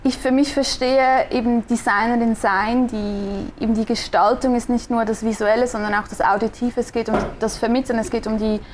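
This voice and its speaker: A young woman from Switzerland speaks Standard German with a clear Swiss German accent, answering an interviewer in a reflective, searching way with frequent restarts. Her voice sits a little high, and a faint hiss of background noise runs under the recording. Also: steady tone, moderate pace, few pauses. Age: young adult. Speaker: guest, designer and podcaster.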